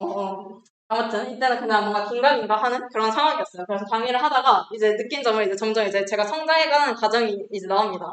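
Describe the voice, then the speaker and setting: Over audible room echo, a woman with a fairly high pitch talks very fast with hardly any pauses. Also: ordinary pitch variation. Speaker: student lecturer teaching algorithms. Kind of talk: lecture, reflective talk. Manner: fast-talking.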